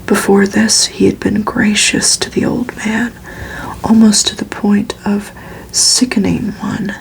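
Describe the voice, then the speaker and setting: A woman whispering a novel aloud as ASMR, in a breathy, soft and soothing, unhurried delivery. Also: medium pitch, level tone, low-quality recording. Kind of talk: whispered ASMR audiobook reading.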